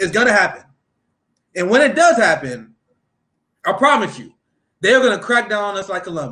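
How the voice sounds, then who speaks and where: Speaking at a fairly quick pace with an American accent, a man raises and projects his high, bright, sharp voice across very wide pitch swings. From US Midwest. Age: 30s. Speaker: political streamer. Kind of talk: casual livestream chat. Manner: fast.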